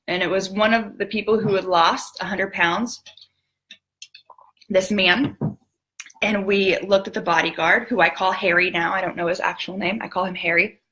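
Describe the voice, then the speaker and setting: A woman giving a motivational talk, telling a story in an animated way and speaking earnestly to the audience. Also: mid-range voice, rough recording. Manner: animated storyteller who acts out quotes; earnest, direct appeals to the audience.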